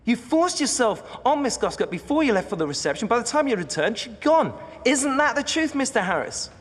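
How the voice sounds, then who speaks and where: An actor playing a composed, probing defence barrister in a television drama, with formal, precise questioning. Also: male voice, extremely high pitch, sing-song, a little fast, husky, in a large hall, full character voice. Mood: forceful, accusing. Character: composed, probing male defence barrister, sharp in cross-examination. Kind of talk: television courtroom drama acting.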